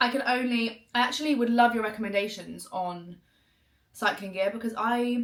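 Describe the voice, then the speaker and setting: In a southern English accent, a woman talks with a fairly high pitch and ordinary pitch variation. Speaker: lifestyle vlogger. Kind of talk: casual vlog chat. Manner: fast.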